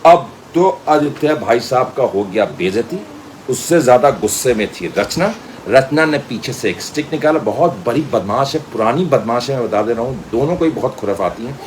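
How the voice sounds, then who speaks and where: A man's voice: mid-range voice, animated, moderate pace, a little hiss or hum, poor audio. An Indian man giving a theatrical voice-training lesson as a trainer, switching between Hindi and English and telling stories to demonstrate. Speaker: media school voice trainer.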